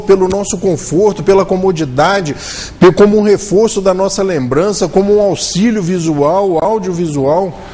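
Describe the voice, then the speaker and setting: A man giving a religious lecture at a spiritist center, telling a story and slowing his delivery to stress key words. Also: a little high, darkish tone. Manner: storytelling, shifts intonation and slows for emphasis. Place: spiritist center meeting room.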